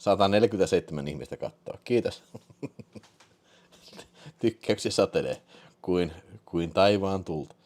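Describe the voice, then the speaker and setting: A man's voice: sits low, long pauses, a little mellow. A man hosting a live stream, reading a story aloud in a mock-serious way and breaking off for amused asides. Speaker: host of a live film show.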